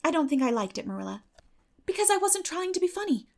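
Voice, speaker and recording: Woman voicing a gushing, high-pitched dreamy young girl. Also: big pitch swings, fast, exaggerated voice. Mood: earnest, chatty. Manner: gushing, dramatic, breathy in rapture. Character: excitable, earnest, dreamy orphan girl.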